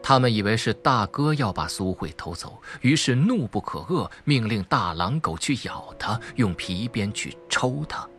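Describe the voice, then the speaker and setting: A man's voice: fairly low pitch, expressive, moderate pace, hardly any pauses, fairly bright tone. A man reading a novel as dramatic scripted narration. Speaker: audiobook narrator. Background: background music.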